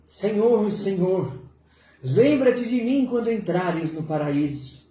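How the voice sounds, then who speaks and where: Woman doing a grave male teacher, gentle, hushed, slow, mellow, echoey room. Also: mid-range voice, lively intonation. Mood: solemn. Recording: roomy echo.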